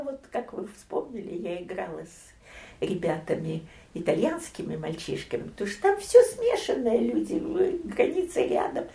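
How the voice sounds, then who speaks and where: An older woman recounting family memories in an interview, storytelling with lively swings and soft near-whispered asides. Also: mid-range voice, roomy sound. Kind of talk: oral history reminiscence.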